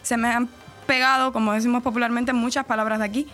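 Faint music plays softly as a fast-talking woman with a slightly high, fairly bright voice and flat delivery chats on the radio. She's a Cuban presenter appearing as a guest in a casual interview, with a central-eastern accent from Camagüey, and she explains at length, talks freely and laughs easily.

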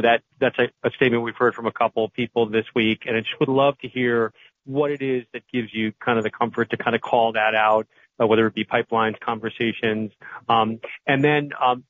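A man's voice: medium pitch, no echo. A man asking questions on a conference call over a bad phone connection, hesitant and full of fillers. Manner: hesitant, many fillers and restarts. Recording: tinny dry phone line.

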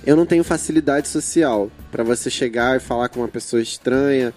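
A man's voice: medium pitch, brisk, darkish tone, faint music behind. A man chatting on a podcast, speaking in a hesitant and self-conscious way. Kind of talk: casual podcast chat.

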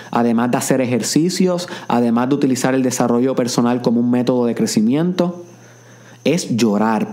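A man's voice: on the high side, a little mellow. A man delivering a motivational self-help monologue, addressing the listener directly in a repetitive coaching tone and dropping English phrases into his speech. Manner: mixes English phrases into Spanish.

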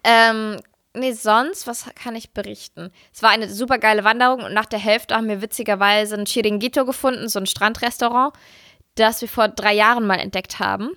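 A woman's voice: a little high, fairly even intonation, fairly quick, pushed and bright, no room sound, studio quality. A woman chatting casually and sharing personal anecdotes as a podcast co-host.

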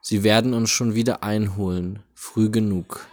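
A man hosting a podcast, reading a devotional text aloud in a deliberate, solemn way near a busy street. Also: fairly low pitch, fairly even intonation, darkish tone. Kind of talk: slow, measured reading of a spiritual text.

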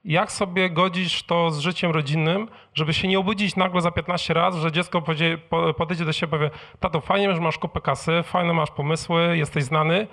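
A man in an audience putting a spontaneous question, hesitant and halting, often breaking off his sentences. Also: fairly high pitch, steady tone, fairly bright tone. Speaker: audience member asking a question. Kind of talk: spontaneous question at a live event.

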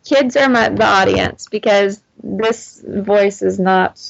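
A young woman guest on a podcast, soft-spoken with a soothing, slightly girlish voice. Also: mid-range voice, slow, creaky, no echo, lo-fi sound. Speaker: podcast guest, co-host of another show. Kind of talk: casual podcast interview.

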